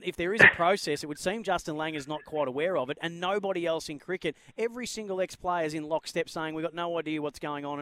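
Aussie guy hosting sports radio, bit higher voice, wordy and opinionated, chatty, dry sound. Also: fairly bright tone, no room sound. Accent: Australian. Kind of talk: conversational sports commentary and interview.

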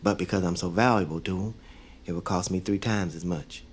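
A man's voice: low-pitched, fairly quick, slightly rough. An actor playing a hopeful young father, talking earnestly. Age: young adult. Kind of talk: audio drama.

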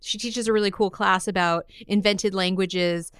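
A woman with a very clear, smooth voice co-hosts an entertainment podcast in a dry, close recording. She talks casually and playfully, with plenty of slang and enthusiasm. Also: mid-range voice, steady tone, moderate pace, no room sound. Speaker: podcast co-host. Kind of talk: casual upbeat entertainment chat.

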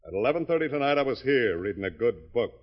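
An actor playing a smooth, mocking nightclub owner in a 1950s radio drama, evasive and sly. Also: male voice, medium pitch, very animated, fast. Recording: dull old radio recording.

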